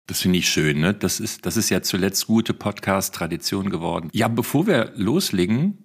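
Husky, lower-voiced male podcast host. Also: animated, normal speed. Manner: cheerful, playful moderating, quizzes co-hosts. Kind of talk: casual podcast chat.

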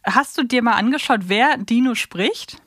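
A woman's voice: fairly high pitch, moderate pace, a bit bright, dry recording. A woman co-hosting a fan podcast in casual conversation, speaking close to the microphone. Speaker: podcast co-host.

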